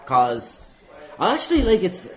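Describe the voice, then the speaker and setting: A man's voice: high-pitched, huge pitch swings, measured pace. An Irish man hosting a casual interview in a joking, sweary, bantering way. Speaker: podcast host. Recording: noisy venue with clatter behind. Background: noise from a wrestling ring.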